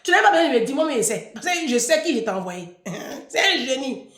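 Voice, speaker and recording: High-pitched woman scolding her followers. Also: sing-song, a little fast, a bit bright, echoey room. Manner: scolding, emphatic, repeats words. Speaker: online personality addressing followers. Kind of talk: unscripted livestream monologue.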